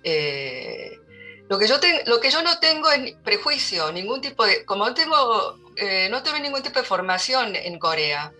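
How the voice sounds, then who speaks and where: A woman's voice: a little high, big pitch swings, moderate pace, pushed and bright, faint music behind. A middle-aged woman with an Argentine Spanish accent, answering interview questions as a literary translator, hesitant with many fillers and restarts. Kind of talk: interview answers at a public talk.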